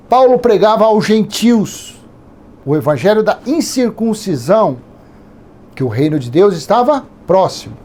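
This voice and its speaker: A man's voice: high-pitched, dark tone. A Brazilian man in his fifties with a Brazilian accent, teaching an informal Bible study in a rambling, conversational way full of digressions. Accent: Brazilian Portuguese. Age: 50s.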